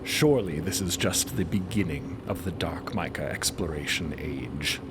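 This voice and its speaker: A man's voice: low voice, noisy background, voice pushed down, lightly acted. A man playing a courtly, earnest explorer in an audio drama, speaking formally and with encouragement. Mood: solemn, encouraging. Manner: formal, measured, wordy.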